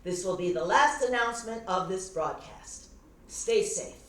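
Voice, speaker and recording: A woman reading as an emergency announcer over a loudspeaker. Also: mid-range voice, lively intonation, distant mic. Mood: urgent. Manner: measured, formal, repeating warnings. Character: female emergency broadcast announcer, calm and official. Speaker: stage directions reader. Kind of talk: live staged play reading. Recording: echoey hall, heard from afar, faint ambience.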